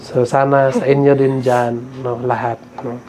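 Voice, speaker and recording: A man's voice: medium pitch, little pitch movement, unhurried, darkish tone. Chatty man vlogging outdoors. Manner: chatty storytelling, tags "no?" often. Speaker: vlog host. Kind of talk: casual vlog talk to viewers. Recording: noisy outdoor ambience.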